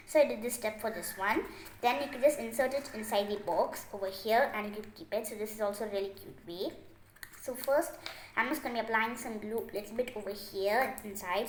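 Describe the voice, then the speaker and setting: A woman's voice: a little high, a bit bright. A woman hosting a casual step-by-step craft tutorial, often padding her phrases with "like" as she explains. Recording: echoey room with faint noise, clicks.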